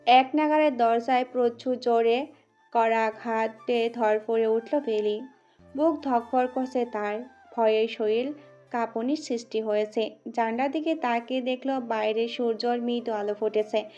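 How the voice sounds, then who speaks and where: A woman narrating a dramatic audio story with steady, scripted storytelling. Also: on the high side, measured pace. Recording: muffled audio with background music.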